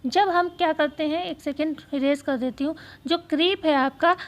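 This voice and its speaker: A woman teacher going through exam questions, speaking slowly and repeating key phrases so students can write them down. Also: high voice. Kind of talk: exam-prep lesson.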